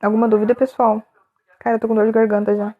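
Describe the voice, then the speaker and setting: A woman's voice: a little high, level tone, quick pace, narrow, tinny audio. A woman chatting casually on a live stream, laughing often and reading viewers' names from the chat.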